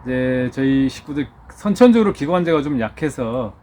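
Chatty middle-aged Korean man, slightly hoarse. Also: mid-range voice, expressive, normal speed, dark tone, a little hiss or hum. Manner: chatty, self-joking, many fillers and restarts. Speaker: orchid-growing channel host. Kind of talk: casual talk to subscribers. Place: indoor studio. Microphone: wearing a face mask.

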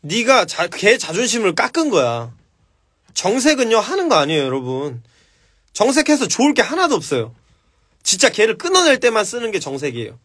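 A man's voice: high voice, wildly swooping pitch, fairly quick, a bit bright, husky. A man hosting a casual live stream, answering viewer questions with blunt, profane advice.

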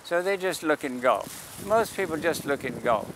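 A man's voice: a little high, lively intonation, moderate pace, background noise. An older man explaining the sun and the public in casual talk, outdoors in a park beside a parking lot, heard through a camera mic a few feet away. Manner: calls out invitations loudly to passersby, dry humor. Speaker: sidewalk astronomer.

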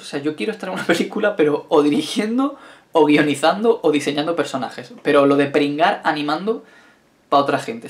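A young man from Spain with a Spain Spanish accent sits down for a casual question-and-answer vlog. His voice sits a touch high for a man. He reads each viewer's question, then answers in a chatty, wry, self-mocking way.

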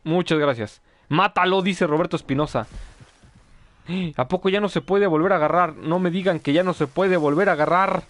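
A man's voice: high voice, normal speed, a bit bright, no room sound. A man commenting live on his gameplay, chatting with viewers and yelping at mishaps. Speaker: gaming streamer.

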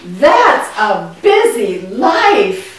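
A woman voicing a naive, curious puppet boy in a children's educational show, with exaggerated wonder and drawn-out questions. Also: fairly high pitch, huge pitch swings, slight background noise, exaggerated voice. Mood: explaining, interested. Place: indoor puppet stage in a room. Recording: echoey room, distant microphone.

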